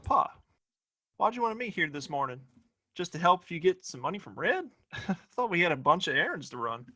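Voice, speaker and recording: Man as high-pitched, cocky Western sheriff. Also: big pitch swings, brisk, pushed and bright, exaggerated voice. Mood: curious. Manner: folksy, rustic grammar. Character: cocky, threatening sheriff, boss's obedient son. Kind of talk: Western audio play acting.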